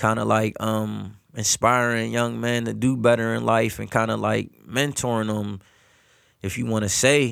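Against a silent background in a very clean recording, a man speaks at a fairly slow pace. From Erie, Pennsylvania. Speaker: podcaster. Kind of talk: personal testimony. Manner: halting, many fillers and repetitions.

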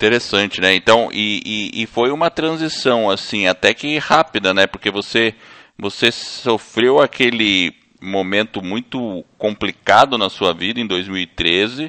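A man's fairly low, a normal speaking voice at a fairly slow pace, with ordinary pitch variation. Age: 50s. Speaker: podcast host. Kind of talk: casual interview.

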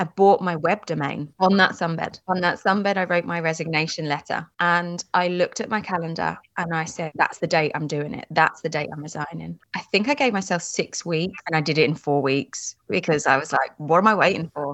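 In a London accent, a woman with a fairly low pitch and ordinary pitch variation talks at a fairly quick pace with hardly any pauses. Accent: British, London. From London, England. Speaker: yoga and wellbeing founder, guest. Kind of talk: interview, casual chat.

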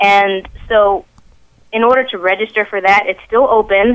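With an American accent and a plain, everyday voice, a woman speaks at a fairly slow pace. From Texas. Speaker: wellness coach. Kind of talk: radio interview. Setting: phone call.

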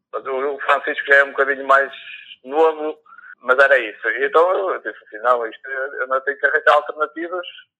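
Loudness swings widely as a man speaks at a fairly quick pace. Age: 40s. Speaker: caller. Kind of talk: casual chat. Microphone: phone held to studio microphone.

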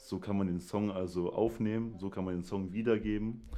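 A man's very deep, low voice, dark and mellow in tone, with fairly even intonation at a moderate pace. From Koblenz, Germany. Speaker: dance coach and studio founder. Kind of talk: casual interview.

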